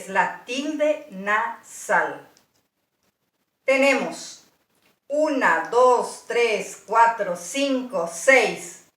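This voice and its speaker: Slow, patient woman teaching, echoey room. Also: a little high, fairly bright tone, distant mic. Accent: Paraguayan Spanish. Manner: slow, patient, spells out sounds one by one. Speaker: language teacher. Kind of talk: slow, deliberate language lesson.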